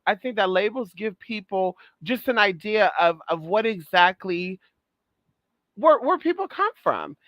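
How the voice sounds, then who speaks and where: A woman's voice: medium pitch, lively intonation, unhurried, no room sound, lo-fi sound. A trans woman vlogging in a sassy, profane monologue, calling listeners girl, honey and baby and repeating phrases for emphasis. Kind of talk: casual monologue rant.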